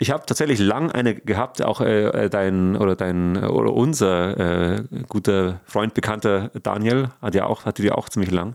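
In a very clean recording with a silent background, a man with a fairly low pitch and an unremarkable speaking voice talks at a moderate pace with ordinary pitch variation. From Lower Bavaria. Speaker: mentalist. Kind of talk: casual chat.

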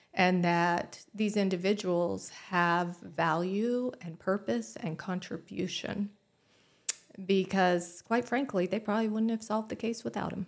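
A woman talks at a fairly slow pace in a normal speaking voice. Her pitch is medium, with ordinary pitch variation. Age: 50s. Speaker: podcast guest discussing a book. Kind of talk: casual chat.

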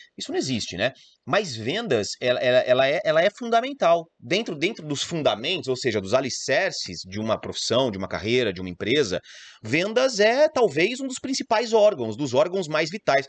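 Vocal fry runs through this voice as its pitch swings very widely. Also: man, fairly high pitch for a man, moderate pace. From Brazil, São Paulo state (Amparo). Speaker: sales trainer and author. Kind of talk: interview.

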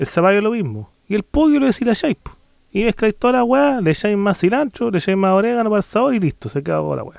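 A man with a high voice speaks very fast in a dry, close sound with no echo. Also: lively intonation. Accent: Chilean. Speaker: podcast host. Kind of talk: casual chat. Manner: animated storytelling.

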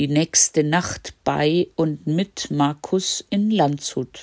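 Her voice fairly low in pitch with ordinary pitch variation, a woman speaks at a very slow pace in a dry, close sound with no echo, on a very clean recording with a silent background. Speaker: memoir author. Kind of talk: reading aloud.

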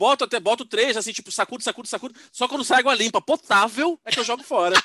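Raised and projected, a man's voice hits an extremely high pitch with a bright, sharp tone, going at a fairly quick pace in a dry, close sound with no echo. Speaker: podcast co-host. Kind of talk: casual chat. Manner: talkative.

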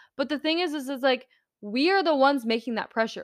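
On a very clean recording with a silent background, a woman speaks at a high pitch. Her pace is moderate and her intonation lively. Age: 20s. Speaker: podcast host and coach. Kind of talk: casual solo chat. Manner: chatty, rambling with fillers.

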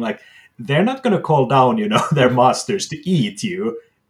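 Somewhat breathy, a man with a Finnish accent talks at a moderate pace with lively intonation. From Finland. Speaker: podcast host. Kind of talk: casual interview chat.

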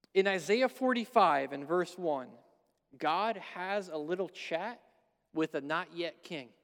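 High-pitched with lively intonation, a man speaks. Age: 40s. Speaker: pastor. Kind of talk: sermon. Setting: church.

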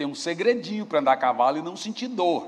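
A man talks with very wide pitch swings. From Brazil, Goiás (Goiânia). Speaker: pastor. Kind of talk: sermon. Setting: church.

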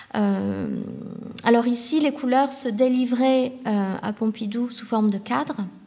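The speech comes at a very slow pace with fairly even intonation and big swings in loudness. Noticeable background noise runs underneath. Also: woman, fairly high pitch for a woman. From Vietnam. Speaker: visual artist. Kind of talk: public talk.

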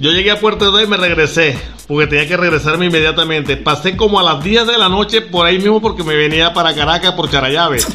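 Over music in the background, a man talks at a very fast pace with hardly any pauses, a high pitch, ordinary pitch variation and very even loudness. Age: 70s. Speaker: taxi driver. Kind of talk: interview.

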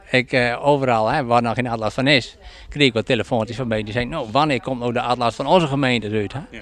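A man talks at a very fast pace with fairly even intonation. His pitch sits in the medium range. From Delfstrahuizen, Friesland. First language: Frisian (speaking Dutch). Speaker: farmhouse researcher. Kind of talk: interview. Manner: halting.

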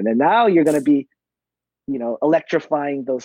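Lively in intonation, a man talks at a fairly quick pace with a fairly high pitch. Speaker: electrical contractor. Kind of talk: interview. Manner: fast.

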